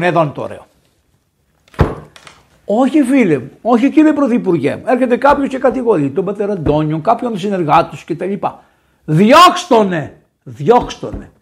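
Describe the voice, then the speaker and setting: Animated Greek priest preaching. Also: male voice, sits high, gravelly, long pauses, breathy edge. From Greece. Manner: lively, conversational preaching with sudden raised emphasis. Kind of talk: sermon.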